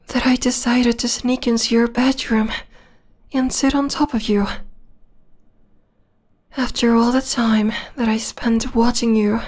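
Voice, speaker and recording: Woman playing a slow, soft-spoken obsessive vampire girl. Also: fairly high pitch. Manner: soft, breathy, intimate, often dropping into whispers. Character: obsessive, possessive young vampire girl, sweetly menacing lover. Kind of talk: ASMR roleplay.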